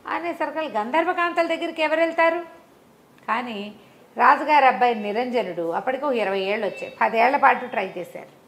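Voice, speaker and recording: A woman's voice: fairly high pitch, fairly quick. A woman storyteller narrating a folk tale in a conversational, explanatory way, repeating phrases for emphasis.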